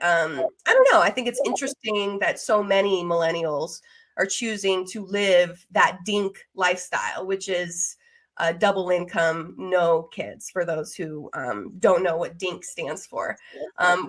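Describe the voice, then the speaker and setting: A woman in her thirties with a bright, forward voice. She talks casually as a podcast host in conversation with a guest, at an ordinary feminine pitch. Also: lively intonation, a little slow.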